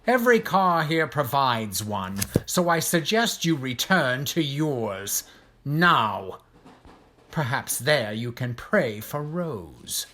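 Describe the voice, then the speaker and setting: An actor playing a haughty, private, war-wounded gentleman in an audio drama, speaking in pompous, formal, precise phrases. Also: medium pitch, sing-song, slow pace, slight background noise, exaggerated voice. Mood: affronted, scornful.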